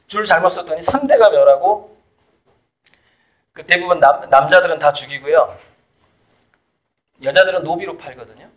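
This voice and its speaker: A fairly high-pitched, animated male voice at normal speed, pausing often. He is an artist and author from South Jeolla, Korea, being interviewed in a casual conversational lecture, speaking emphatically and laughing between his points.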